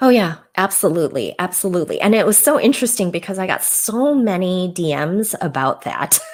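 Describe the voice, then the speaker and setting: A woman with a General American accent, medium pitch and lively intonation, at a fairly quick pace with hardly any pauses, over noticeable background noise. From United States (Korean American, moved from Korea as infant). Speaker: author and speaker. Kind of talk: casual interview.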